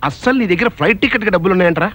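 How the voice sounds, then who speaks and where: An actor playing a short-tempered shopkeeper with a husky voice, scolding and mocking. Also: male voice, high-pitched, animated, racing, a bit bright, dry recording. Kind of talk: film comedy.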